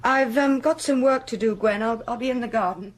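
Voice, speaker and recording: A woman's voice: fairly high pitch, a little fast, lightly acted. An actress playing a genteel, lonely and insistent lady of the house in a radio horror play, with a hesitant, theatrical manner. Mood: brightly composed.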